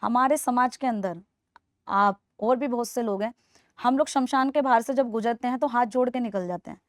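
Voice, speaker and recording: Earnest young woman with a high voice. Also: darkish tone, dry recording, clean studio sound. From Delhi, India. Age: 20s. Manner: earnest, persuasive, repeats points for emphasis. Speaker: interview guest. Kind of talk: earnest podcast interview answers.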